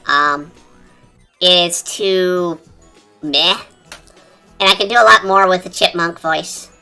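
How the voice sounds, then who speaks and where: A streamer talking through a high-pitched chipmunk voice changer in rambling, casual chat while drawing. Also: steady tone, takes it slowly, smooth. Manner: rambling, chatty, lots of fillers. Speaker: art streamer. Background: quiet cafe-style background music.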